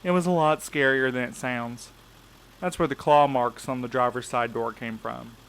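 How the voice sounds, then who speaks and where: A man's voice: mid-range voice, fairly even intonation, normal speed, a bit bright, close to an everyday voice. A man acting in an audio drama as a jaded, laid-back night courier with a casual, sarcastic way of talking. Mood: grumbling, wry. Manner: casual, wry. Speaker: voice actor in a fiction podcast.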